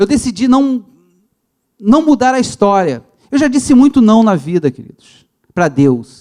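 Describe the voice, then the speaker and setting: A man talks at an extremely high pitch. His intonation is lively. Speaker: pastor. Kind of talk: sermon. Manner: animated.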